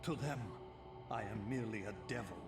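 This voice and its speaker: An actor playing an ancient, gentle vampire guardian in a video game, weary and sorrowful, with a solemn, measured delivery. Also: male voice, on the low side, lightly acted. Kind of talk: scripted video game cutscene acting. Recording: echoing game audio with music behind.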